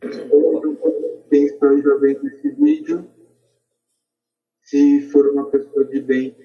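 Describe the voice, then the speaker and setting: A Brazilian man speaking as a podcast guest over a video call, giving closing remarks in halting, deliberate phrases. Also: mid-range voice, sing-song, mellow. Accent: Brazilian Portuguese. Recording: dull lo-fi video call audio.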